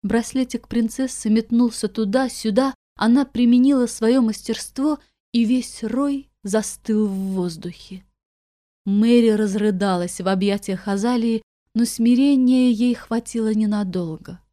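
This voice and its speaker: A woman narrating a fairy-tale audiobook in a calm, measured manner, recorded close to a studio microphone. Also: fairly high pitch, no room sound. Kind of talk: storybook narration.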